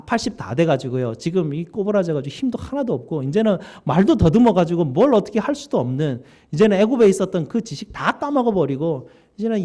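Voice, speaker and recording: A pastor putting on an aggrieved old Moses. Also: male voice, sits high, mellow, pitched above the performer's own voice. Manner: complaining, pleading questions. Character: aggrieved old male Moses pleading with God.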